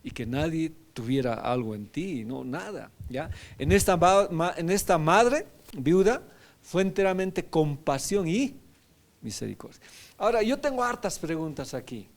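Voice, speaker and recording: A man's voice: a little high, expressive, unhurried. A man, a pastor, teaching a Bible lesson in a conversational sermon, often asking his listeners questions and adding tag questions.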